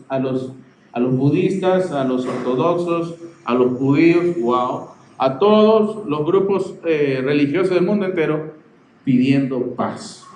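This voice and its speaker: A man's voice: on the high side, darkish tone, a little hiss or hum. A man with a Peruvian accent preaching a sermon, stressing his points and often asking whether the listeners see. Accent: Peruvian Spanish. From Peru. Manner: emphatic preaching, repeating words and asking ¿ve?. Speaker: pastor. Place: church hall. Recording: echoey church hall, faint ambience.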